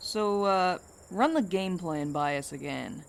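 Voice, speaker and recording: Woman playing a lower-voiced, pragmatic, dry woman. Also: unhurried, vocal fry. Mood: pragmatic, wary. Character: steady, pragmatic, protective woman, wryly skeptical. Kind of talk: naturalistic audio drama acting.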